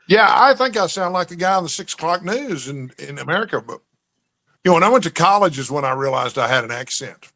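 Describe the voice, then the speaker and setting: A man's voice: fairly high pitch, animated, brisk, bright, forceful tone. A man from East Texas with a thick East Texas drawl, a boastful, joking guest in a casual chat on a video call.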